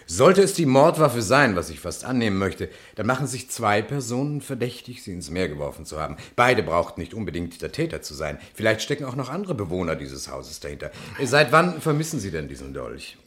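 An actor playing a shrewd police commissioner in a German radio crime drama, questioning with hesitant, probing murmurs. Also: male voice, fairly low pitch, sing-song, fairly quick, hardly any pauses, a bit bright. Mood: accusing.

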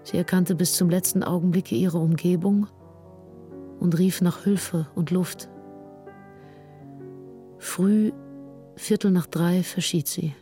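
A woman's voice: lowish voice, steady tone, dark tone, soft background music. Sober, restrained grieving 19th-century woman. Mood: sober grief. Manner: measured, sober, formal. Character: grieving 19th-century woman recounting her companion's death in writing. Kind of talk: scripted literary reading.

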